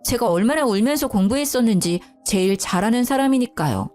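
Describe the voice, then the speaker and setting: A woman's voice: a little high, expressive, fairly quick, darkish tone, faint music behind. A woman in her thirties telling a dramatized story of a marital fight, indignant and emphatic. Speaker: storyteller, schoolteacher wife.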